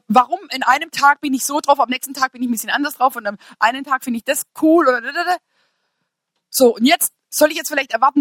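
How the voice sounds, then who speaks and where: High, animated woman preaching. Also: no echo, studio quality. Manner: expressive, swings from soft asides to shouted declarations; casual and humorous, with laughter. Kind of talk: lively sermon to a congregation.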